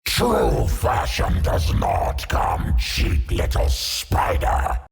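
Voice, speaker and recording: Creature role: vain alien monster, extremely gravelly, slow, sardonic and theatrical game villainy. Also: male voice, rumbling low, full character voice. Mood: scornful. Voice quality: raspy, creaking, monstrous. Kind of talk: video game voice acting.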